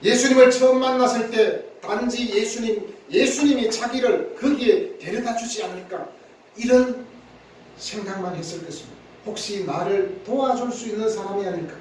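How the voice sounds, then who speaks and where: A man's voice: very high-pitched, moderate pace, a little mellow, slight background noise. A man, a pastor, preaching an earnest sermon, often repeating words and acting out quotes. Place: church sanctuary. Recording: echoey church hall, mic at a distance.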